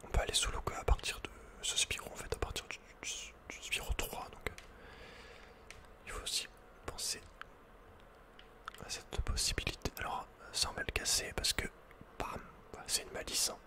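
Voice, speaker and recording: In a breathy, wholly unvoiced whisper pressed close to the mic, a man gives casual, slang-filled ASMR commentary on his video game, often muttering to himself. His whisper has a sharp tone, a moderate pace, and frequent pauses.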